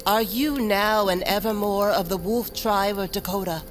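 An actor playing a solemn tribal shaman who intones a ritual slowly. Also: mid-range voice, close to an everyday voice. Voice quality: gravelly. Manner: slow, solemn chanting delivery. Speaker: shaman leading a rite. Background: music under the voice.

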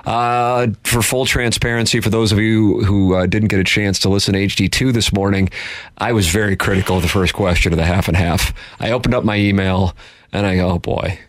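A man hosting a sports talk show, bantering in a lively, jokey way with sudden jumps in pitch. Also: brisk, no room sound. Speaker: host. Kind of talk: casual sports radio banter.

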